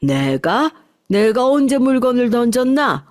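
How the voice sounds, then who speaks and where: A woman's voice: on the high side, sing-song, unhurried, a little mellow, no room sound, clean studio sound, voice pushed up. A woman voicing a stubborn older mother-in-law who defiantly feigns innocence in a radio story reading.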